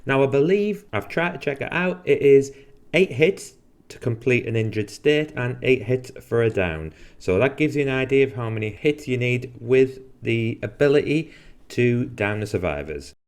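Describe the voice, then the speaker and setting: A man's voice: mid-range voice, animated, moderate pace. Guy going over game perks for his channel, chill, a bit sarcastic here and there. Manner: casual, dry sarcastic asides. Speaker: gaming video host. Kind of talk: game guide commentary.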